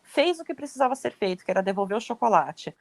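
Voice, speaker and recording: A woman's voice: mid-range voice, very animated, fast, a little mellow, dry recording. A woman with a Brazilian Portuguese accent explaining parenting ideas on a podcast, emphatic and blunt. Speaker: podcast host, parenting educator.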